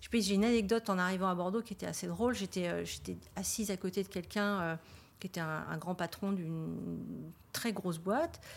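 A woman talks at a fairly quick pace and a medium pitch. Her intonation is fairly even, and the recording is very clean with a silent background. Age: 50s. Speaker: business development director in shipping. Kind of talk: interview. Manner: halting, many repetitions and fillers.

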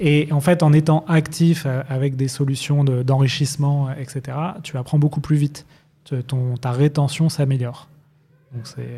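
A man's fairly high, somewhat breathy voice in a dark, mellow tone, monotone and flat, at a fairly slow pace with long, frequent pauses. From northern France (Nord). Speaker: video learning startup founder. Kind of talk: casual chat.

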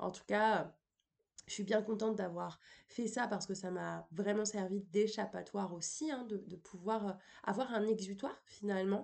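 Speaking at a fairly slow pace, a woman uses a medium pitch. Her delivery stays unhurried. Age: 20s. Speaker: personal development coach. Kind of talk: podcast monologue. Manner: animated.

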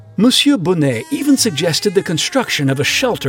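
A man's warm voice with very wide pitch swings over noticeable background noise. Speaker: ghost narrator guide. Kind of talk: history documentary narration, scripted. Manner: warm, conversational, storytelling; wry, chatty, addresses listener directly.

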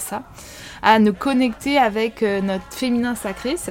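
A woman's voice sits fairly high in pitch. Behind her, music plays. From New Caledonia. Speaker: podcast host, yoga teacher. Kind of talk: storytelling podcast. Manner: casual, with filler hesitations.

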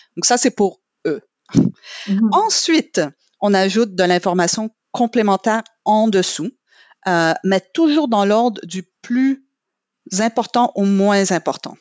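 In a quiet background with a dry, close sound and no echo, a woman at a medium pitch speaks at a very slow pace with long, frequent pauses and ordinary pitch variation. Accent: English. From Quebec, Montreal. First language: English (speaking French). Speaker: marketing manager. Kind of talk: interview.

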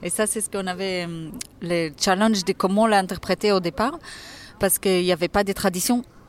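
Medium pitch, moderate pace and ordinary pitch variation in a woman's voice. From Israel. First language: not French (speaking French). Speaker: orchestra conductor. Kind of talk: interview. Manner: halting.

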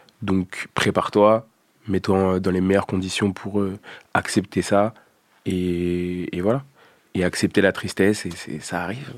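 Very deep and low, a man's voice moves at a very slow pace with long, frequent pauses and fairly even intonation, on a very clean recording with a silent background. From France, Paris then Grenoble area. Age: 20s. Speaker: rapper. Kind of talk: casual interview. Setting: studio.

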